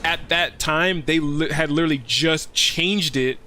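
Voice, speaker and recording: Male game streamer: casual, rambling livestream chat, bright and lively tone. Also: on the high side, measured pace, a little hiss or hum. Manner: chatty and easygoing, rambling asides.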